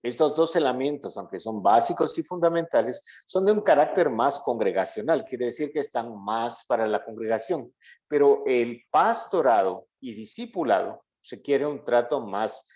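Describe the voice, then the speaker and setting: A man with a medium-pitched voice teaches the Bible to a congregation. He explains in a didactic way and often stops to ask short checking questions. The recording is dull and lo-fi. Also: expressive, moderate pace, darkish tone. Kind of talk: interactive Bible lesson to a congregation. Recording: dull, lo-fi, muffled audio.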